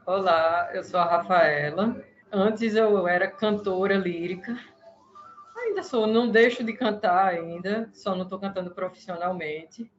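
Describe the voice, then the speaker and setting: A woman in her thirties, the podcast's editor, speaking briefly and softly in casual chat. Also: mid-range voice, a little slow, soft background music. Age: 30s. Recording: dull lo-fi sound with faint noise.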